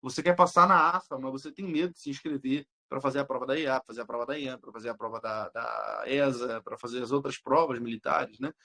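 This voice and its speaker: A young man with a Brazilian Portuguese accent, an exam-prep teacher talking casually with his students, blunt, slangy and quick to swear. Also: medium pitch, gravelly, bright, forceful tone. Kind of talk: casual live chat answering students.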